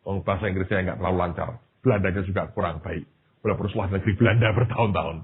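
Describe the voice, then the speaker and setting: A man preaching a sermon as a pastor, telling a story in an animated way and addressing the congregation directly. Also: sits low, racing, husky. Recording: tinny, phone-like lo-fi sermon recording.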